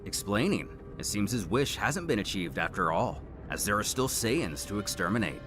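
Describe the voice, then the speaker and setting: A man tells a story in a scripted narration, his pitch rising and falling with lively energy. He drops wry asides between plot beats. Faint music plays quietly beneath his voice. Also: moderate pace. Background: faint background music.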